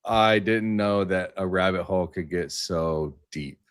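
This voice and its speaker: A man speaking as a panelist in a livestream discussion, rambling and tentative as he thinks out loud. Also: low voice, smooth, dry recording, clean studio sound. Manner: halting, tentative, thinking aloud.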